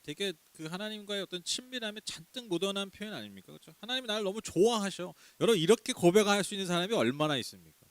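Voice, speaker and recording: A man's voice: high-pitched, animated, rapid-fire, few pauses, no echo. A man preaching a sermon in a conversational way, asking the congregation questions and laughing now and then. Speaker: pastor. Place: small church.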